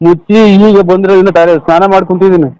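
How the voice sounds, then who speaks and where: A man's voice: high voice, level tone, quick pace, darkish tone, clear, resonant tone, muffled recording. A man in a rural comedy dialogue who grumbles and hesitates. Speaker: comedy performer.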